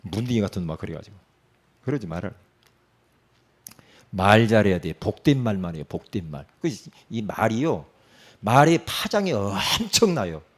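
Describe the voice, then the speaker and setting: Animated male pastor preaching. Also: medium pitch, breathy edge. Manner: animated, acts out quoted speech, frequent "응?" prompts; colloquial, teasing preaching. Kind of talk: sermon.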